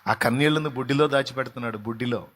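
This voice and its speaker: A male pastor preaching a sermon with fervour, swinging between quiet, low passages and loud, raised outbursts. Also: fast talker, a little hiss or hum.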